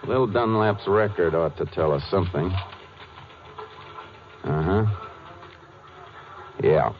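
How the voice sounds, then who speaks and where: An actor playing a calm, shrewd Texas Ranger in a 1950s western radio drama, with terse, matter-of-fact delivery. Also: male voice, low voice, slow. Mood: businesslike. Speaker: actor in lead role and narrator. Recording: muffled, noisy 1950 radio recording.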